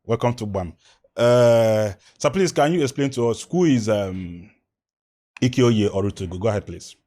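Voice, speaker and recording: A man with a Nigerian accent hosting an interview in a chatty, informal way, with drawn-out asides. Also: medium pitch, mellow. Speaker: interview host.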